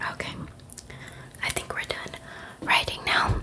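A woman is whispering. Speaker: ASMR creator. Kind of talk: soft ASMR roleplay chat. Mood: warm and grateful. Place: home room.

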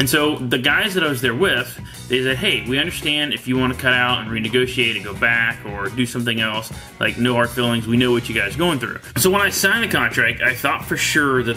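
Clear music plays in the background as the speaker talks at a fairly quick pace with ordinary pitch variation. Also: man. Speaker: presenter. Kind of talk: devotional talk with personal story. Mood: calm, reflective. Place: home room. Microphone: studio mic.

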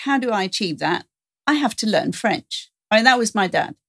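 A woman talks with a London accent against a quiet background. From England, London. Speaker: hospitality executive; podcast guest. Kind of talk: interview. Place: studio. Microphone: studio mic.

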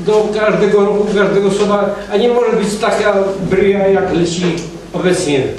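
Strong room echo and light background noise surround a man speaking at a high pitch. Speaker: assembly delegate. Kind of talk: speech at assembly. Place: meeting room. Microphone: camera far.

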